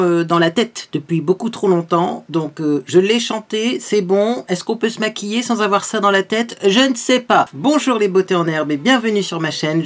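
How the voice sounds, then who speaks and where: A man hosting a makeup tutorial in a casual, chatty way, animated and full of little fillers. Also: high-pitched. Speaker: beauty video host.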